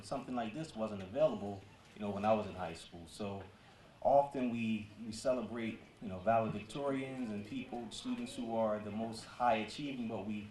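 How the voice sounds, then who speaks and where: A man's voice: fairly low pitch, a little mellow. A man who is a school principal gives a conversational speech at a ceremony, with many fillers. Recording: echoey hall.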